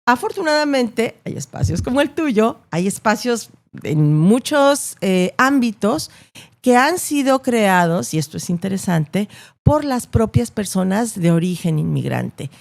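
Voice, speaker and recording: A woman's voice: mid-range voice, very animated, measured pace, creaky. A woman with a Latin American Spanish accent, explaining her opinions in an interview in an articulate, emphatic way, repeating words to drive points home. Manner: articulate, emphatic, builds points with repetition and rhetorical tags. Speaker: interview guest, journalist.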